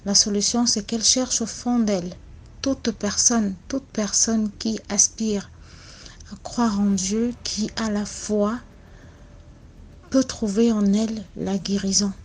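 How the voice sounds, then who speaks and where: A Cameroonian woman with a Cameroonian French accent, telling a personal story softly and hesitantly. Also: medium pitch, steady tone, husky. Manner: speaks softly and slowly, with many hesitations. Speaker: caller sharing a story. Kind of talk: personal testimony, slow and deliberate.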